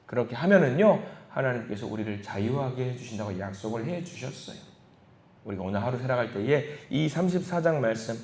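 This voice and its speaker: A man preaching a dawn sermon as pastor, telling a story animatedly and acting out its voices. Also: mid-range voice. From South Korea.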